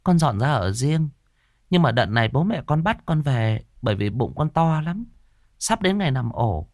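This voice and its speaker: A man's voice: mid-range voice, sing-song, normal speed, a little mellow, no room sound, studio quality, pitched above the performer's own voice. A man voicing a shy, polite young pregnant woman who speaks deferentially.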